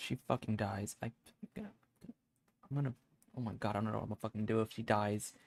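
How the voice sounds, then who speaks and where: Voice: medium pitch, fairly even intonation, brisk, vocal fry, a little mellow. A streamer reacting casually and emotionally to a game, swearing freely. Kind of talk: casual live gameplay reaction. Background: game music.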